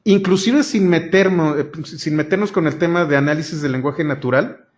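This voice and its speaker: A male programming teacher, talking his class through a coding example one step at a time. His voice sits somewhat high, and the recording is muffled and lo-fi. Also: moderate pace. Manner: explains step by step, addresses students directly. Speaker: programming instructor. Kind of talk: screen-recorded coding lesson. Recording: dull lo-fi sound.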